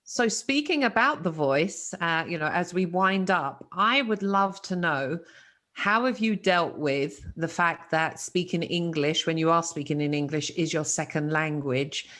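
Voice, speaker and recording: A woman hosting an interview, encouraging and quick to laugh. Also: lowish voice, expressive, a bit bright. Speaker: interview host. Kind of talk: casual interview chat.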